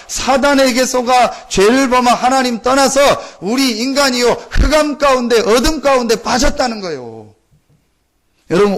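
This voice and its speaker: High-pitched, intense male preacher. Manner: intense, emphatic, earnest; repetitive rhetorical questions to listeners.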